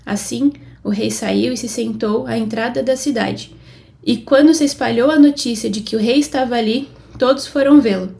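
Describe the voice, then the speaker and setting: A woman with a Brazilian Portuguese accent reading Bible passages aloud, with a steady delivery that lifts for quoted speech. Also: on the high side, normal speed, vocal fry. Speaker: Bible reader.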